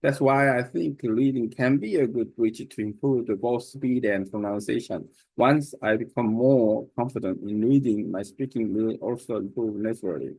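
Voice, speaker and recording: A man with a Korean accent, a native Korean speaker, reading his own prepared text aloud in a careful, deliberate way with small slips. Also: medium pitch, a little mellow, no echo, poor audio. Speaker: language learner sharing his study method.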